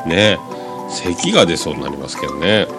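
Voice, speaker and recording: Congested, low-voiced man chatting on a podcast. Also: very animated, normal speed, music in the background. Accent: Fukuoka Japanese. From Fukuoka, Japan. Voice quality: nasal, congested voice. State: has a cold. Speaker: podcast host. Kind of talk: casual solo podcast talk.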